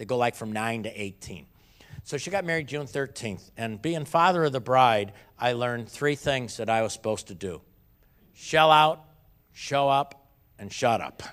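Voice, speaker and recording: On a very clean recording with a silent background, a man with a Wisconsin accent speaks at a moderate pace in a medium pitch with lively intonation. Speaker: motivational speaker. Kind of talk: keynote speech.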